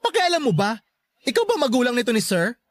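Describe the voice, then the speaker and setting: A woman playing a sassy, sharp-tongued gay best friend in a Filipino radio drama, catty and taunting with a Filipino accent. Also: on the high side, very animated, a little fast, no echo. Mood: sassy, mocking.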